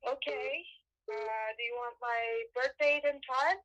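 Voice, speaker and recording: Bright-voiced woman calling in by phone. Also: high-pitched, fairly even intonation, measured pace. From Turkey. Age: 40s. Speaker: caller. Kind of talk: phone-in call with an astrologer. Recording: tinny phone line.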